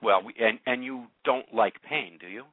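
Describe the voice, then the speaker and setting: A man's voice: mid-range voice, normal speed. A man hosting a call-in radio show. He coaches a caller with probing, challenging questions and often repeats words as he presses a point. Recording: narrow, phone-like radio sound.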